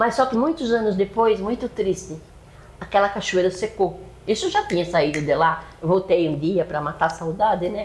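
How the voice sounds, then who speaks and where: Amid noticeable background noise, a woman talks at a moderate pace and medium pitch with ordinary pitch variation. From interior of São Paulo state, Brazil (Tatuí). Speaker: poet. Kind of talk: interview. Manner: halting, with many fillers and repetitions.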